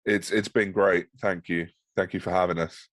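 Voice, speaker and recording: A man's voice: low voice, little pitch movement, normal speed, fairly bright tone, dry recording, clean studio sound. A man speaking as a podcast guest in a casual, informal, thoughtful conversational style.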